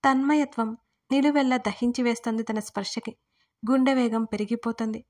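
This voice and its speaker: Woman narrating a romance story, higher voice. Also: fairly even intonation, brisk, darkish tone. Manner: intimate, emotional storytelling voice. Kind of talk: first-person scripted romance narration.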